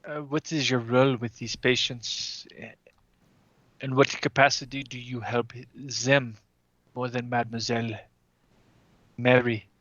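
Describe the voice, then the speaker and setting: Dude playing a courteous investigator, formal, crisp dry sound. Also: male voice, medium pitch, flat delivery, unhurried, long pauses, fairly bright tone, no room sound, highs cut off. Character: polite male investigator questioning a doctor.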